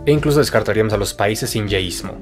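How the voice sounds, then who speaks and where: A Mexican man with a Mexican Spanish accent, giving a quick, measured explanation in a video. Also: lowish voice. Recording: clip played with guitar music behind. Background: guitar music.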